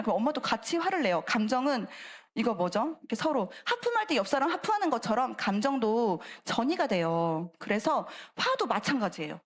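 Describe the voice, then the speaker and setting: A middle-aged woman gives a seminar talk in a church. Her voice sits high and swoops up and down with energy. She keeps it chatty and acts out little voices as she explains. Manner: animated, acts out quoted voices, chatty asides. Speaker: church lecturer. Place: church sanctuary.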